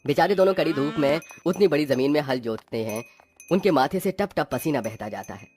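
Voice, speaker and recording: A man narrating a children's cartoon story in a steady, scripted storytelling manner. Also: on the high side, brisk, over music.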